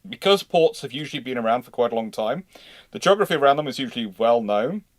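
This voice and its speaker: A man's voice: mid-range voice, animated, fast, no echo. A man hosting a live history question-and-answer discussion, rambling and often restating himself mid-sentence. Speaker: host of a live naval history Q&A.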